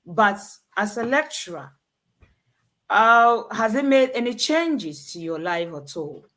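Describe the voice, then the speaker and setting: A woman's voice: medium pitch, expressive, slow, a bit bright. A woman hosting an interview, asking polite questions that often end with "please". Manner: courteous, ends questions with "please". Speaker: interview host.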